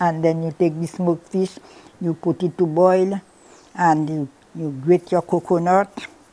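A woman with a Dominican accent speaks at a fairly slow pace in a fairly low pitch, with long, frequent pauses. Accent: Dominican Caribbean English. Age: 80s+. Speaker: centenarian interviewee. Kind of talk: interview answer. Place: home room. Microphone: lapel.

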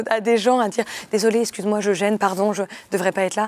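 A woman's fairly high voice at a fairly quick pace, dry with no echo. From France, Nantes; France. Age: 20s. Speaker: singer-songwriter; interviewee. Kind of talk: interview monologue; interview answer. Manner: hesitant, many fillers and repetitions. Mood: warm, smiling, reflective. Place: studio.

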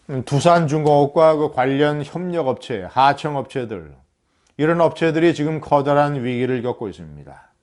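A man talks in a plain, everyday voice at a fairly high pitch with ordinary pitch variation. The background is quiet. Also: moderate pace. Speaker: political commentator. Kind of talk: political commentary monologue. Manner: formal.

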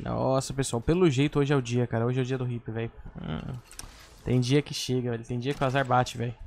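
Man at a very fast pace, broken by long, frequent pauses. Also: medium pitch for a man. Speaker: gaming YouTuber. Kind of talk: casual gaming video talk. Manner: animated.

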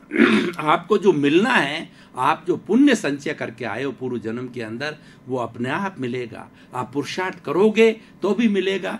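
Speaking at a very slow pace, a man's voice moves through very wide pitch swings and big swings in loudness. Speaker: speaker. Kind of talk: sermon. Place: studio.

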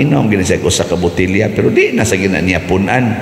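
In a room with audible echo, a man with a Cebuano accent speaks in an animated tone. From Cebu, Philippines. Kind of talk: homily with jokes. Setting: church. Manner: animated, humorous; conversational, code-switching. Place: church. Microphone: podium.

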